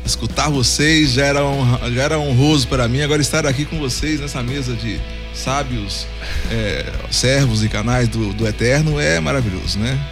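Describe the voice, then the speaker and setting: A man's voice: medium pitch, moderate pace, over music. A man from Minas Gerais appearing as a guest, speaking humbly and gratefully. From Minas Gerais, Brazil.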